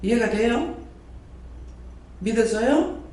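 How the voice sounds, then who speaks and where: A male pastor delivers a sermon, his high voice leaping up and down as he repeats phrases and fires questions at his listeners. He is recorded from far off in a very echoey prayer hall. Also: slow. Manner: animated preaching, repeats phrases, quizzes the congregation.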